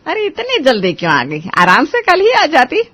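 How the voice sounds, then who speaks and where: A woman's voice: high voice, wildly swooping pitch, normal speed, pushed and bright, voice pushed up, exaggerated voice. A woman voicing a bossy, scolding mother-in-law in a storybook tale. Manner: scolding, commanding. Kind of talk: storybook character voice.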